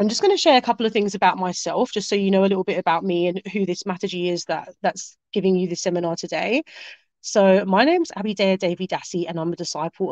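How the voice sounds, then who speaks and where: A woman with a London accent talks at a very fast pace. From London, England. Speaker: children's advocate and channel founder. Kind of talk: seminar talk. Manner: casual, with many fillers.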